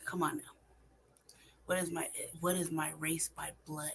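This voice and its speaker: A woman's voice: sits low, flat delivery, unhurried, gravelly, background noise. Profane, emphatic woman ranting. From California, United States. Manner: profane, emphatic, rhetorical questions. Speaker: vlogger. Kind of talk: casual monologue.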